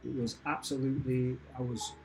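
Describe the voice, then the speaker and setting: A man's voice: mid-range voice, flat delivery, brisk, creaky, darkish tone, a little hiss or hum, rough recording. A man hosting a casual live stream from home, chatting in a rambling, upbeat way and often restarting his sentences. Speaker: channel host answering live questions. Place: at home with family and a cat nearby.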